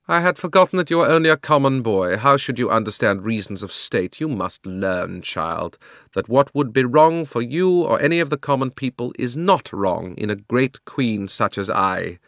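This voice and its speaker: A man's voice: on the low side, a bit bright, dry recording, clean studio sound. A man voicing a proud, cruel and haughty queen of enormous height, speaking in an imperious, declamatory way.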